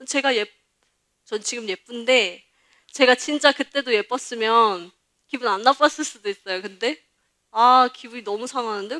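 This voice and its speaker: A woman's voice: on the high side, a bit bright. A young woman junior pastor preaching a personal testimony in a candid storytelling way, acting out the voices she quotes. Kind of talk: testimony sermon.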